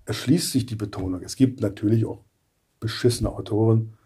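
A man in his sixties, a voice actor chatting as a guest in an interview and telling stories lively, acting out little scenes. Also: lowish voice, a little fast, husky. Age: 60s. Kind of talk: casual interview chat.

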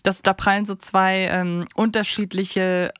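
A woman's voice: mid-range voice, level tone, measured pace, a bit bright, clean tone, no echo, studio quality. A woman co-hosting a podcast, chatting casually with a rambling, self-deprecating manner. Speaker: podcast co-host. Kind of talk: casual chat.

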